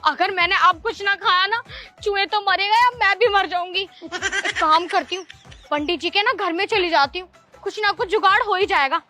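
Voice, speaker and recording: A woman playing a scheming, sharp-tongued village wife in a comedy skit. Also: extremely high pitch, moderate pace, faint music behind. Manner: sly, mocking.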